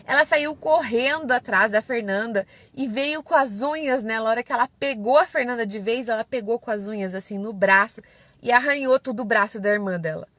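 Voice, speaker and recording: A woman's voice: on the high side, a little fast, no room sound. A woman in her thirties with a Brazilian Portuguese accent, giving parenting advice in casual live-stream talk from inside a car, often checking in with "né?" and "certo?". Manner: warm and conversational, often adds "né?" and "certo?".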